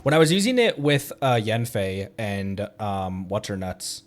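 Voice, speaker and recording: A man streaming a game from home, chatting casually, excitable and rambling, laughing often as he talks. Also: on the low side, a little slow. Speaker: VTuber streamer. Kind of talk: casual gameplay chat.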